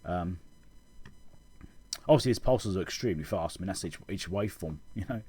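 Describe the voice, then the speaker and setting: A man giving an informal technical explanation as a channel host, halting and correcting himself as he thinks aloud. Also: low-pitched, lively intonation, warm tone, breathy edge. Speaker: electronics repair channel host.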